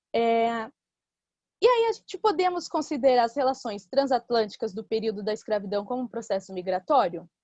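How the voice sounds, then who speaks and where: A woman's fairly high voice, a normal speaking voice with lively intonation. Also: moderate pace. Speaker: history lecturer. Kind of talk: online lecture.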